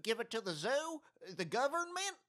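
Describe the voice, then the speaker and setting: A man's voice: extremely high pitch, very animated, normal speed, fairly bright tone, full character voice. A man playing a folksy, easily alarmed farmer father in an amateur audio drama. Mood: puzzled.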